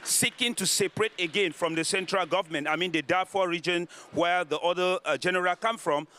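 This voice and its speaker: A man from Cameroon in a forum audience, putting a long question to the panel in a deliberate, hesitant way. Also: high-pitched, pushed and bright, slight background noise.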